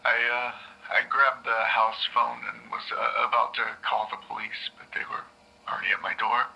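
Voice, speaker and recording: A man's voice: mid-range voice, completely flat delivery, gravelly, bright, forceful tone, breathy edge, exaggerated voice, rough recording. An actor playing a shaken man who stammers through a painful memory, heard as an old tape recording. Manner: halting, stammering, subdued.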